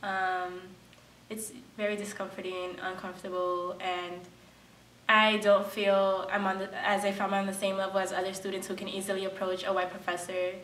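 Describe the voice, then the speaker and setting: A woman's voice: mid-range voice, flat delivery, normal speed, fairly bright tone. A young adult woman, a college student with a New York Latina accent, giving candid interview testimony. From New York, United States. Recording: roomy, distant mic, faint noise.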